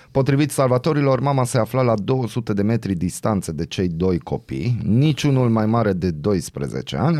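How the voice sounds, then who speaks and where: A man's voice: medium pitch, a little mellow, no echo. A male morning radio host reading the news and joking in a dry, mocking way. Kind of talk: casual radio banter. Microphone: studio microphone.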